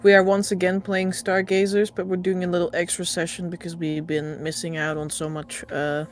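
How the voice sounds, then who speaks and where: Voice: mid-range voice, little pitch movement, normal speed, a little hiss or hum. A dungeon master chatting casually to open a tabletop game session, loose and full of fillers.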